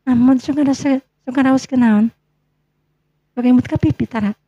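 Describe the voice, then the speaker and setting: Coy, insistent young woman in love played by an actress, Sundanese accent, high-pitched, very dark soft tone, muffled sound. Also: fairly even intonation, normal speed, dry recording. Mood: coy, teasing. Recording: muffled, lo-fi recording.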